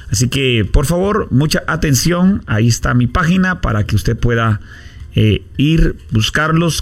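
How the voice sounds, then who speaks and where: A man hosts a radio talk show from the station booth. He speaks at a middle pitch, earnest and unhurried, and stops now and then to hesitate or fill a pause. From Guatemala. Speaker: radio host.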